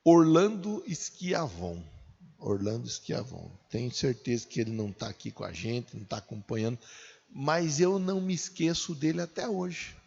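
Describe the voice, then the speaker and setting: This Brazilian man in his forties is a pastor delivering a sermon in a conversational style, tossing rhetorical questions at the congregation in his Brazilian Portuguese accent. He has a medium pitch and talks at normal speed, very animated, with a creaky, slightly rough, somewhat mellow quality. The hall he's recorded in is dull and echoey.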